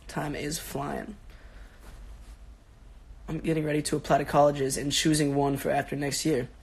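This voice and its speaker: A young man in his twenties with a raspy, sick-sounding voice, chatting casually and answering fans on a phone livestream from his bedroom. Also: fairly high pitch, level tone, normal speed. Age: 20s. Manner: laid-back, rambling, slangy, answering fans. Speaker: social media personality on a livestream. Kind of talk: casual livestream chat reading comments. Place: bedroom at home.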